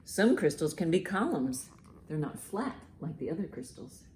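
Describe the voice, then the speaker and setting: A woman hosting a children's storytime, reading and explaining in simple, expressive language meant for young listeners. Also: deep voice, normal speed, slight background noise. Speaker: children's librarian, storytime host. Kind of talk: children's storytime, reading a picture book aloud and commenting.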